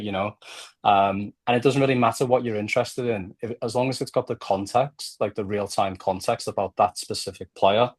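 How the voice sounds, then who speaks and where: A man's voice: lowish voice, no echo. A man with a Liverpool accent talking casually and explaining things on a podcast, often checking in with "right?". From Liverpool, England. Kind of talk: casual conversational podcast discussion.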